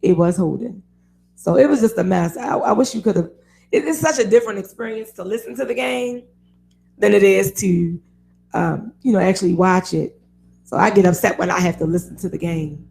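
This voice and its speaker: Raspy-voiced woman hosting sports radio. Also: mid-range voice, fairly quick, a little mellow. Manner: chatty, opinionated, laughs often. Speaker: radio show host. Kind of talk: casual sports talk radio. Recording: online radio show.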